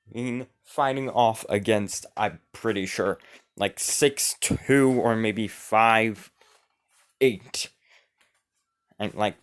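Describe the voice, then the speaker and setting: Male narrator, improvised fan story, slow, rambling, restarts a lot. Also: mid-range voice, smooth.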